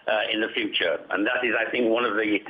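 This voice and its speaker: A man speaking as a company executive on a conference call, answering questions in a formal, measured, hesitant way. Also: lowish voice, steady tone, slight background noise. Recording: muffled conference call line.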